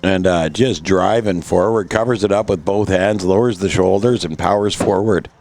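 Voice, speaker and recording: A man's voice: low voice, moderate pace, darkish tone. A man giving easygoing color commentary on a local football game, explaining plays. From Canada. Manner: easygoing, analytical, many fillers.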